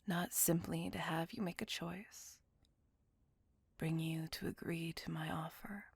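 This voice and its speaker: A woman voicing a possessive, devoted female vampire on a date, speaking in a soft, close, apologetic and doting whisper. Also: sits low, fairly even intonation, unhurried, vocal fry, breathy edge, no room sound, heavily acted. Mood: tender whisper. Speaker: voice actor. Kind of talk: ASMR roleplay whispering.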